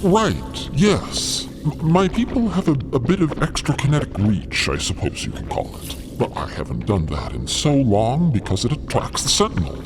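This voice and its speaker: A man's voice: mid-range voice, wildly swooping pitch, moderate pace, noisy background. A man playing a courteous, cautious alien in an audio drama, with formal wording and hesitant stammers. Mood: flustered, modest. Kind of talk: scripted audio drama acting. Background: music.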